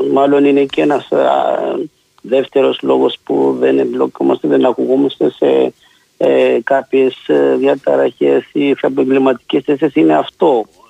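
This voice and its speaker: Recorded dry and close with no echo, a man speaks at a fairly slow pace in a medium pitch with very wide pitch swings. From Ethiopia. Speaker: community activist and mechanical engineer. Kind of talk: radio interview. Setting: phone call. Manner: halting.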